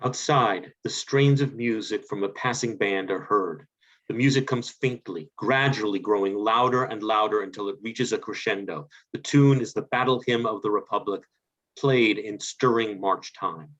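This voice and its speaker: A man's voice: fairly low pitch, moderate pace, fairly bright tone. A man reading stage directions as scripted narration for a play, over a video call. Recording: dull video call audio.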